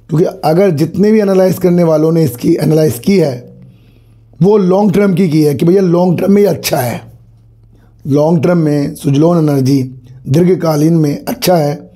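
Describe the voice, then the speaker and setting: Hoarse man talking stock market news. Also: on the high side, warm tone. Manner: conversational, addresses viewers as sir, repeats phrases. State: hoarse from a cold. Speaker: stock market channel host. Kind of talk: casual market commentary to camera.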